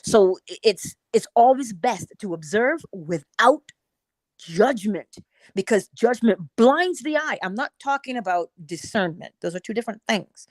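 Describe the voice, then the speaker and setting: A woman's voice: medium pitch, animated, unhurried, no room sound. A woman from Barbados, co-hosting a casual chat and giving earnest, preachy advice about self-discipline. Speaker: co-host.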